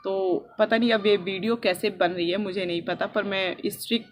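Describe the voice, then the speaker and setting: A young woman from India talking softly and earnestly in a personal vlog, recorded outdoors on a rooftop with a phone on a selfie stick. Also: medium pitch, steady tone, moderate pace, slight background noise. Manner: earnest and heartfelt, speaking softly. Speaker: vlogger.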